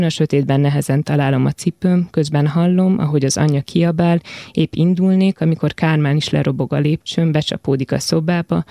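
A man reading a literary text aloud for radio, calm and measured. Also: on the high side, vocal fry, dry recording. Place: radio studio.

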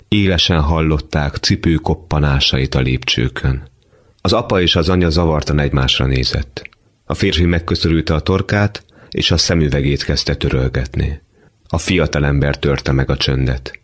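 Very deep male literary reader. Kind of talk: literary reading.

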